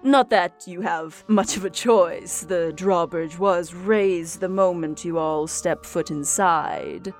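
A woman's voice: lowish voice, slow pace, hardly any pauses, faint music behind. A woman doing a suave vampire lord host. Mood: menacing. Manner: smooth, theatrical, later weary and awkward.

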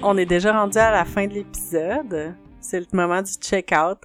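A woman co-hosting a podcast, speaking calmly and relaxed. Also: medium pitch, normal speed, over music. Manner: calm, relaxed. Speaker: podcast co-host. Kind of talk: casual chat.

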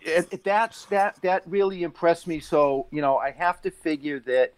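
A man's voice: fairly high pitch, moderate pace, smooth, dry recording. A man in his fifties co-hosting an interview, rambling with many fillers. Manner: rambling, lots of "you know" and "uh". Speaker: co-host. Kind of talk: casual interview chat.

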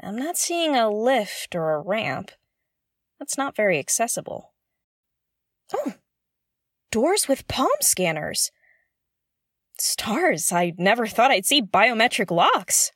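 A woman's voice: fairly high pitch, sing-song, takes it slowly, long pauses, fairly bright tone, no room sound, clean studio sound, exaggerated voice. A woman playing a nervous, curious young investigator on a derelict spaceship in an audio drama, talking hesitantly and earnestly. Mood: marvelling, chatty. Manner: hesitant, self-correcting, chatty and earnest. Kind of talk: audio drama, confessional log to listeners.

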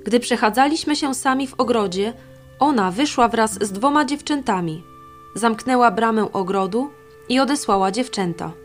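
A woman reading the false testimony of two scheming old men, in a plain, measured way. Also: on the high side, animated, faint music behind, lightly acted. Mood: accusing. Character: two lying old male elders, false accusers.

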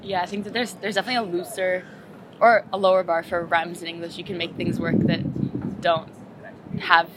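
Woman chatting casually about translating poetry, kinda low voice, lots of "like", background noise. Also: level tone, moderate pace. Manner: casual, uses "like" and "um" often. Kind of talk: conversational interview answers.

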